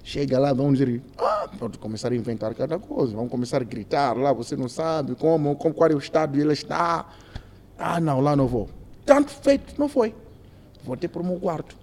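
A man's voice: fairly high pitch, lively intonation, a little fast, a little mellow. A man, a podcast guest, telling a story with lots of energy and acting out the voices of the people in it. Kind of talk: animated storytelling.

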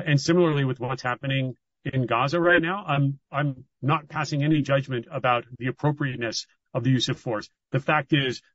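A man's voice: mid-range voice, dry recording. Earnest man on a dull, dry line. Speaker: company executive. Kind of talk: earnings call remarks, explanatory. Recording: dull, dry conference-call audio.

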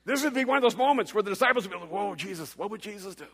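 A gravelly, husky voice that sits high belongs to a middle-aged pastor from El Salvador whose first language is Spanish. He preaches rapid-fire and expressively into a stage mic in a large church hall, alternating loud declaring with quiet hushes.

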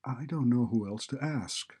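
A man's voice: mid-range voice, measured pace, darkish tone, breathy edge, pitched above the performer's own voice. A man voicing an embarrassed but defiant teenage female student in a story, speaking plainly and earnestly. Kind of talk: audiobook character dialogue.

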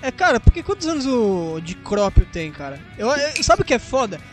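Brazilian portuguese dude hosting a stream, high voice, swears a lot, music behind him. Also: male voice, sing-song, moderate pace, a bit bright. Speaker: live stream podcast host. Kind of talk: casual banter, slangy and profane.

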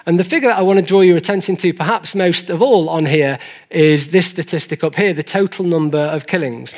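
Man, slightly high-pitched voice, earnest lecturer, explanatory presentation style, emphatic stresses. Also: fairly quick, a little mellow. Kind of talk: explanatory presentation of statistics to an audience.

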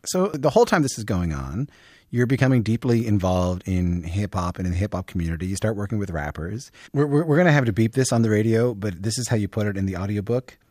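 A man's voice: fairly low pitch, expressive, fast talker, a little mellow, dry recording, clean studio sound. A man hosting a radio interview who talks in an engaged, conversational way and often restarts his sentences. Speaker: radio host. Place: radio studio.

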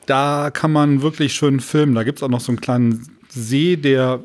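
Guy podcast host just chatting, jokey storyteller, mid pitched voice. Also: steady tone, moderate pace. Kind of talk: casual podcast chat.

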